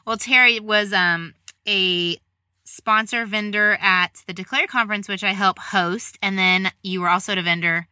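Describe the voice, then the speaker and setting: A woman's voice: medium pitch, fairly even intonation, moderate pace, pushed and bright, dry recording. A woman hosting a faith podcast, chatting eagerly and laughing easily as she interviews a guest. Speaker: podcast host. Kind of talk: casual interview chat.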